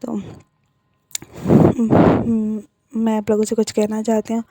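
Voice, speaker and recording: Female host-narrator, casual storytelling, warm low-key tone, chatty asides, slight cough, home mic. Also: monotone, takes it slowly, dry recording, poor audio. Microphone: home voice recording.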